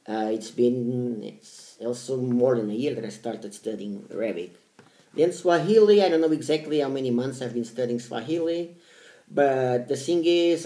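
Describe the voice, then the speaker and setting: A man's voice: mid-range voice, warm tone, reverberant. A man, talking casually to camera about his language studies and often restarting his words. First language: Portuguese. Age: 30s. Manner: halting, repeats words, stresses each language name. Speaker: language learning vlogger.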